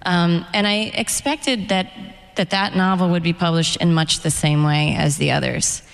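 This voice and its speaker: On stage in a reverberant hall, a middle-aged woman novelist answers interview questions about her life and work with candor and wry wit. She speaks at normal speed in a lowish, gravelly voice.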